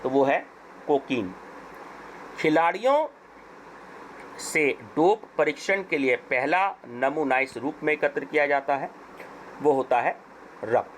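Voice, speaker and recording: A hoarse man with an Indian accent, teaching as he goes through an exam paper question by question. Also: fairly high pitch, lively intonation, slight background noise, rough recording. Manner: slow, deliberate question-and-answer reading.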